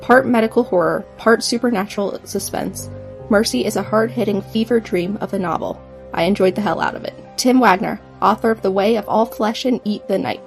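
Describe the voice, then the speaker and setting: A woman with a mid-pitched voice and noticeable fry reads a scripted book advert. Music plays clearly behind her. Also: brisk. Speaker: ad announcer. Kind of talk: scripted book trailer narration.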